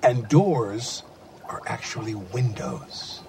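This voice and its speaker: Fish guru: woman doing a low, solemn, slow male voice, riddles delivered deadpan. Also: a little hiss or hum, exaggerated voice. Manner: slow, solemn, cryptic proverbs. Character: wise, serene male pet fish in a tank.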